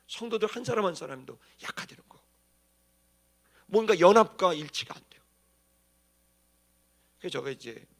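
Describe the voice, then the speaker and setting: A man delivers an animated sermon as a pastor, telling stories in a down-to-earth, dramatic manner with acted-out emphasis. His voice is a little high and gravelly.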